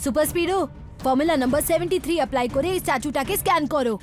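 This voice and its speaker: A woman's voice: high voice, rapid-fire, natural voice. A woman voicing a brave, commanding young boy superhero in a children's cartoon, speaking urgently. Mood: determined. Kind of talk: dubbed children's cartoon acting. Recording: loud music behind the voice.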